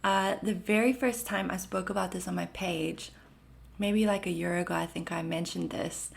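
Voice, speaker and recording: A woman in her thirties talks with a South African lilt softened by Canadian vowels. Her voice sits a little low for a woman. She chats gently and reassuringly on her own podcast, with plenty of casual fillers. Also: steady tone, moderate pace, gravelly. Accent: South African mixed with Canadian. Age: 30s. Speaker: podcast host. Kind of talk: casual solo podcast talk.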